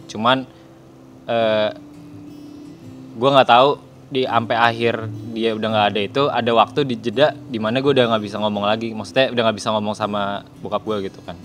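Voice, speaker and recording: A man, talking in a reflective, measured way. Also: on the low side, fairly bright tone, a little hiss or hum. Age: 20s. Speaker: panel guest. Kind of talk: casual conversation.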